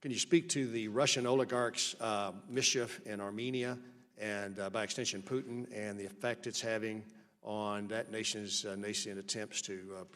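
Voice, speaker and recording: A man with a West Texas accent puts formal questions as a congressman at a hearing. His voice is low and fairly even, with halting phrasing, and it rings in a reverberant room. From West Texas, United States. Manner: halting, hesitant delivery. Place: large indoor hearing room.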